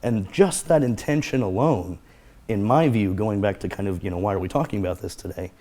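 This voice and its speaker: Low, mellow-voiced man explaining calmly. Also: a little fast. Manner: earnest, explanatory, fond of repeating key phrases. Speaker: guest therapist. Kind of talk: conversational explanation.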